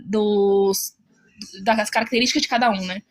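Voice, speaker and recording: A woman's voice: medium pitch, fairly even intonation, moderate pace, background noise. A woman with a Brazilian Portuguese accent, earnestly telling a personal story as a mother of an autistic child, often quoting what others said.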